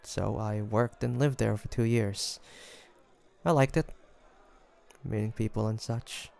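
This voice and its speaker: Man playing a slow, gravelly young hunter, guarded. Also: fairly low pitch, fairly even intonation, a little mellow. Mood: wistful, confiding. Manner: hesitant, halting, confiding. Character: guarded young male demon hunter, softening, flustered, secretly lonely. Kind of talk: intimate audio roleplay addressed to listener.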